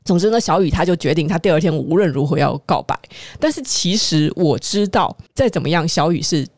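Woman telling a personal story, animated. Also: low-pitched, fairly quick, no room sound. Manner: animated, acts out quoted dialogue; conversational, asks listeners rhetorical questions. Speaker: podcast host.

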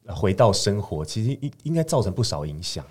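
A woman's voice: very deep voice, sing-song, fairly quick, dark tone, slightly rough. A woman host, running a casual podcast interview, engaged and summing up her guest's story, with frequent brief sounds of agreement.

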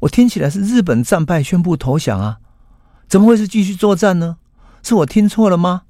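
A man voicing a flustered middle-aged Japanese police officer, asking alarmed questions quickly. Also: mid-range voice, expressive, warm tone, no room sound, studio quality, pitched above the performer's own voice. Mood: bewildered.

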